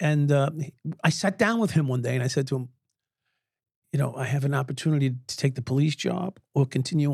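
A man speaks at a fairly high pitch and a fairly quick pace, somewhat breathy. The sound is dry and close, with no echo. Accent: New York. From Long Island, New York. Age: 60s. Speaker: former police officer. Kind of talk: interview storytelling.

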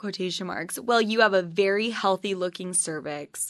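With a bright, sharp tone and an animated delivery, this voice moves at a moderate pace with ordinary pitch variation over a quiet background. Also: woman. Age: 20s. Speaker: podcast host. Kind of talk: casual chat.

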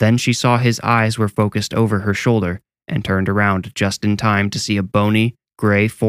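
Over a quiet background, fairly even intonation shapes an unforced reading voice.

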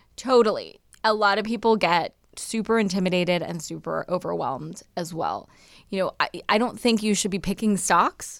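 Vocal fry colors this woman's voice. She talks at a medium pitch. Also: ordinary pitch variation, moderate pace. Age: 30s. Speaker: financial expert and author. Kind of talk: casual interview. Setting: remote call.

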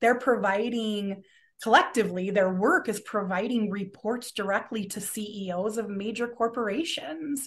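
In a very clean recording with a silent background, a woman with an American accent speaks at a fairly high pitch, somewhat breathy, with ordinary pitch variation. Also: moderate pace. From Los Angeles, California. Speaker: business professor. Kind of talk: casual interview.

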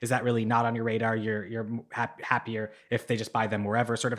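A man with an American accent at a very fast pace, in a very clean recording with a silent background. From Massachusetts. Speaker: podcast host, trade editor. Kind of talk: podcast interview.

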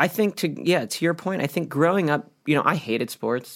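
Recorded very cleanly against a silent background, a man with an ordinary speaking voice and an American accent talks at a fairly quick pace. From US Northeast (New Jersey). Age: 30s. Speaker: artist and filmmaker. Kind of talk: casual chat.

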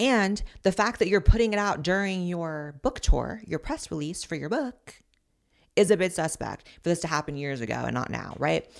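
A woman's fairly low, animated voice with vocal fry, lively intonation and a moderate pace. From US rural small town. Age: 20s. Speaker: podcast host. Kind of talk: casual commentary monologue.

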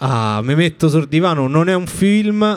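A man with a Roman accent at a moderate pace. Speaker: podcast host. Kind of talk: casual interview.

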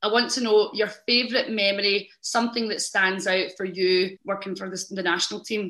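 A woman with a Scottish accent, medium pitch and a bright, sharp tone, at a moderate pace with fairly even intonation and hardly any pauses. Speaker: radio presenter. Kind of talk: interview.

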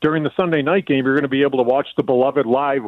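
A man's fairly high-pitched voice. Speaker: horse racing handicapper. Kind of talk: casual chat.

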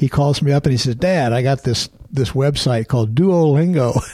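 In an American accent, a man speaks at a fairly high pitch with a dark, mellow tone. His voice is somewhat breathy, with ordinary pitch variation. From US Midwest, small-town Illinois. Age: 70s. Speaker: real estate developer and entrepreneur. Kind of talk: casual interview. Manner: halting, repeats words.

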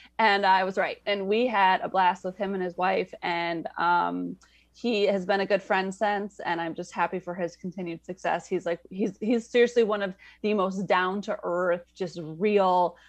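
In a normal speaking voice, a woman talks at medium pitch and a moderate pace. The background is quiet. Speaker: sports reporter. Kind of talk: casual chat.

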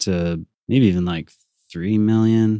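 In a very clean recording with a silent background and a dry, close sound with no echo, a man with a plain, everyday voice speaks at a fairly slow pace with ordinary pitch variation. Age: 30s. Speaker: physician and podcast network founder. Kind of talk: casual interview.

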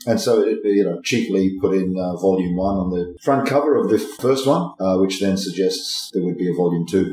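A man with an Australian accent speaks very deep and low, with lively intonation, at a fairly quick pace with hardly any pauses. Noticeable background noise runs underneath. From Brisbane, Australia. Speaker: musician. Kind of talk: interview.

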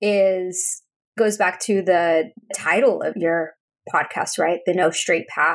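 Speaking very slowly, the voice shows ordinary pitch variation. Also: woman. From Texas (Spring), Mexican-American family. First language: Spanish. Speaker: investment executive. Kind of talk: interview, reflective conversation.

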